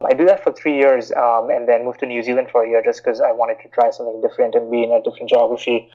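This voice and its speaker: A man in his thirties from India, raised in Bahrain, answering interview questions in a measured, explanatory way with frequent "you know" fillers. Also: medium pitch, level tone, dull audio. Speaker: guest, investment banker.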